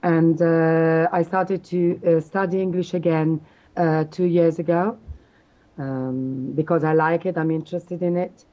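A woman from South Africa answering interview questions hesitantly, with frequent pauses and restarts. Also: deep voice, fairly even intonation, highs cut off. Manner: hesitant, many fillers and restarts. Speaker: interview guest, exam candidate.

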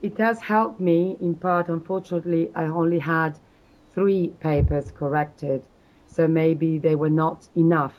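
Low-voiced hesitant woman from South Africa. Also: steady tone, unhurried, highs cut off. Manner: hesitant, many fillers and restarts. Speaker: interview guest, exam candidate. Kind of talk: hesitant conversational answers.

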